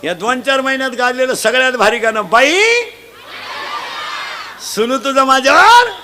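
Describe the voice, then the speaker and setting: A middle-aged man with a Marathi accent delivering a comic devotional sermon, shouting questions out to children in the crowd. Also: very high-pitched, expressive, moderate pace. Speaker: kirtan preacher. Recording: live event, faint crowd and noise.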